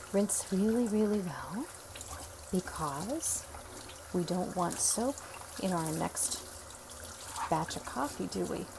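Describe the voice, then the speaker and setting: Soft-spoken and at a very slow pace, a woman with a medium pitch and lively intonation leaves long, frequent pauses amid noticeable background noise. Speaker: ASMR creator. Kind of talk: ASMR soft-spoken tutorial.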